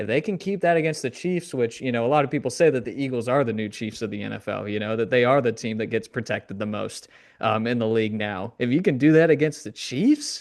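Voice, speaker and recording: Against a quiet background, a man with medium pitch talks at a very fast pace with hardly any pauses. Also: ordinary pitch variation. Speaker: sports podcast co-host. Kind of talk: casual sports talk podcast. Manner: halting, stumbling over words.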